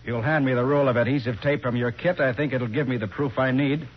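An American actor playing a confident, sharp private detective in a 1940s radio crime drama, with an assertive, explanatory manner. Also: male voice, mid-range voice, fairly even intonation, quick pace, close to an everyday voice. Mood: confident, accusing. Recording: dull 1940s radio recording.

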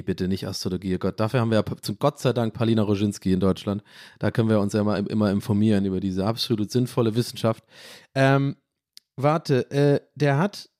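A man's voice: on the low side, darkish tone, dry recording, studio quality. A man in his thirties with a German accent, hosting a podcast in casual, rambling chat that keeps losing its thread. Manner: rambling, loses his train of thought, self-mocking. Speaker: podcast host.

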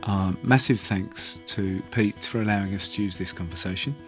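A man's voice: lowish voice, fairly even intonation, moderate pace. A man hosting a podcast, giving a conversational outro. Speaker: podcast host. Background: faint guitar music.

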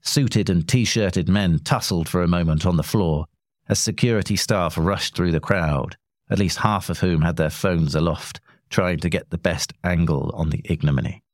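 A man reads a short story aloud in a measured, wry narration. His voice is very deep and low-pitched. The recording is dry and close, with no room echo.

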